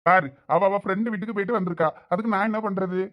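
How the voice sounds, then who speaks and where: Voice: medium pitch, steady tone, rapid-fire, a bit bright, no echo, natural voice. A performer playing an irritated college-going son arguing with his mother in a village comedy skit, with a Thoothukudi Tamil accent. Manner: irritated, argumentative.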